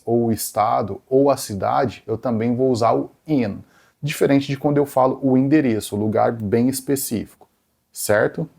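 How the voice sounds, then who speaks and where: Brazilian guy teaching english grammar, gravelly voice, goes slow on the english examples. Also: mid-range voice, darkish tone. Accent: Brazilian Portuguese. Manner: slows down to spell out English example sentences; checks in with the viewer after each point. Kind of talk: grammar lesson explained in Portuguese.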